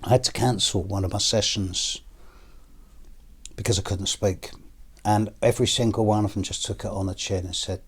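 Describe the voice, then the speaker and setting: A middle-aged British man with a hoarse, deep voice and a cough, talking slowly to his viewers in a personal video with pauses and fillers. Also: fairly even intonation. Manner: slow, measured, with pauses and fillers. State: hoarse and coughing after illness. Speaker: astrologer.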